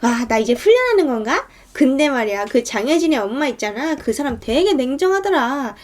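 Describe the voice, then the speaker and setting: A woman's voice: sits high, very animated, fairly quick. A woman voicing a sneering, crude young male thug in a spoken movie retelling, brash and mocking. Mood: gloating.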